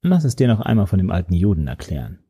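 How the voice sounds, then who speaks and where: A man's voice: sits low, very animated, fast, warm tone, slightly rough, full character voice. A man voicing a smug, mocking young male henchman who talks down to an old man. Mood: taunting. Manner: mocking, chatty, condescending. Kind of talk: audiobook character voice.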